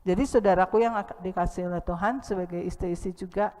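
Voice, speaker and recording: A woman's voice: on the low side, fairly even intonation, fairly quick, mellow, big-room sound. A woman preacher with an Indonesian accent, giving an impassioned sermon that swells to emphatic peaks. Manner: acts out dialogue with a child.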